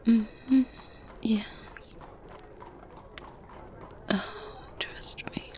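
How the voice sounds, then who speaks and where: With an exaggerated, medium-pitched voice, a woman plays a good witch in an ASMR roleplay, strict yet kindly and gently teasing, her mood fond and playful. She whispers soft and breathy into a close binaural microphone, slow and gentle with murmured hums and soft laughs. Medieval ambience and ambient background noise fill the recording.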